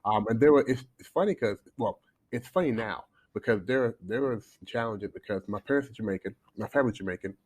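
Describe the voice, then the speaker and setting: A talkative man in his forties, raised in Canada, telling his life story in a podcast interview. His voice sits fairly low, and he restarts sentences and repeats words while he thinks. He talks in a loose, casual way. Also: a little fast, a little mellow. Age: 40s. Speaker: guest, coach. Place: home in China, remote call.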